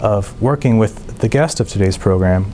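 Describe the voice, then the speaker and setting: A man with a fairly low voice talks at a fairly quick pace. There is light background noise. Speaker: program moderator. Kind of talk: formal introduction of a guest. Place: studio. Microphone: lapel.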